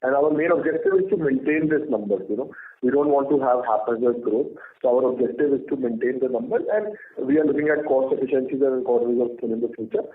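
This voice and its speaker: On a phone conference call, a man with an Indian accent answers questions as a company executive during an earnings call. He speaks fast in a mid-range voice, firmly and with repeated filler phrases, over a tinny, noisy line.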